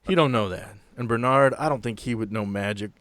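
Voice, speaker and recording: A man playing an earnest, blunt veteran agent with a folksy, salty, deliberate way of talking in a tabletop game. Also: medium pitch, fairly bright tone, no echo, lightly acted. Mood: blunt, confiding.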